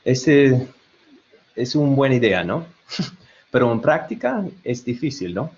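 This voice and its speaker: A man's voice: medium pitch, sing-song, takes it slowly, darkish tone. A man with an American-tinged Spanish accent giving an online webinar presentation, hesitant with many fillers and restarts. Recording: dull lo-fi web call audio.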